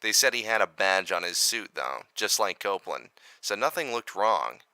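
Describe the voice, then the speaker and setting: A man's voice: fairly low pitch, sing-song, normal speed, pushed and bright, no room sound, heavily acted. A man playing an earnest security aide giving reports in an audio drama. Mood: concerned.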